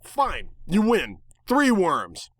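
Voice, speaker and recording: Man playing an excitable, wisecracking fantasy hero, higher-pitched. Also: extremely slow, husky, no echo, clean studio sound, exaggerated voice. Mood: pleading. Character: brash, pleading, self-mocking hero of a pony fantasy.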